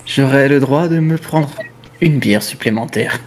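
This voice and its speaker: A man's voice: medium pitch, unhurried, slight background noise. A man playing in a tabletop roleplaying game, speaking improvised dialogue in character. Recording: music playing under the voice.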